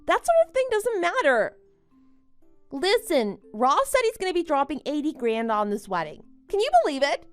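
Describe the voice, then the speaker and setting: Casting: actress as smug bride-to-be for animated story drama, high and very animated, gloating and condescending. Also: female voice, moderate pace, soft background music. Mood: bragging. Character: smug, boastful young bride who taunts her friend. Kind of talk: melodramatic animated-story voice acting.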